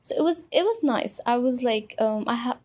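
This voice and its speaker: A woman's voice: fairly high pitch, animated, moderate pace, a little mellow. A young woman from Pakistan, a guest in an interview, telling her story in a chatty way with many fillers. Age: young adult. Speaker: guest, influencer. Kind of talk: casual interview conversation.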